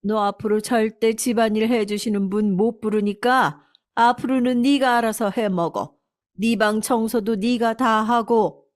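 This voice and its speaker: A woman's voice: fairly high pitch, fairly even intonation, unhurried, close to an everyday voice. Casting: strict older mother-in-law, firm and scolding, storybook reading, by a woman.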